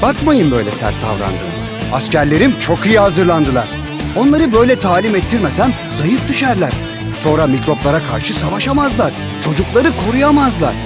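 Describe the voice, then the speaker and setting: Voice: mid-range voice, sing-song, a little fast, lightly acted. An actor voicing a stern but caring white blood cell army commander in a children's cartoon, giving firm orders. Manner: drill-sergeant orders, firm. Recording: music behind the voice.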